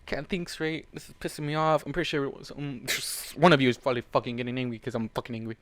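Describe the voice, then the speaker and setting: A man's voice: mid-range voice, level tone, quick pace, no room sound. A man reading fan fiction aloud and ranting about it in an exasperated, profane way, addressing the characters directly. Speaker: fan fiction reader and reactor. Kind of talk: reading a story aloud with angry ranting commentary.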